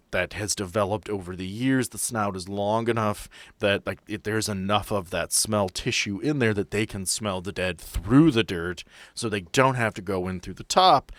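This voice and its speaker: A man's voice: lowish voice, fairly bright tone, dry recording. A man working as game master, narrating a tabletop role-playing game in a descriptive, explanatory way with asides.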